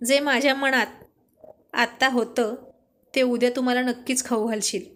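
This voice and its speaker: A woman's voice: a little high, fairly even intonation, moderate pace, fairly bright tone, lightly acted. A woman voicing a playful, teasing young husband in a spoken love story.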